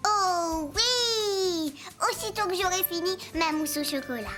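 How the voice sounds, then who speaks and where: A woman's voice: very high voice, measured pace, over music. A woman voicing a cheerful, curious four-year-old boy in a children's cartoon, childlike and full of exclamations. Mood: excited, happy. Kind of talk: dubbed children's cartoon acting.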